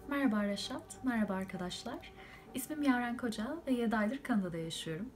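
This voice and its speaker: A woman's voice: on the high side, animated, fast talker, darkish tone, faint music behind. A young woman from Turkey giving an informative update, explaining point by point with hesitations. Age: young adult. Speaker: student living abroad.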